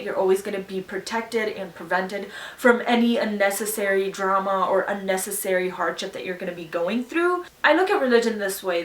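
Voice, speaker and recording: A woman's voice: mid-range voice, recorded from a distance. A young woman from Pakistan, chatting casually as a YouTuber answering viewer questions in an earnest, reflective way. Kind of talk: casual Q&A chat. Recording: echoey room, voice a bit off-mic.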